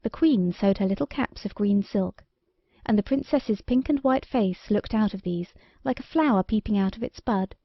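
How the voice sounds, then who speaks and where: A woman's voice: medium pitch, moderate pace, no room sound, highs cut off. Woman narrating a storybook, very dry sound. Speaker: audiobook narrator.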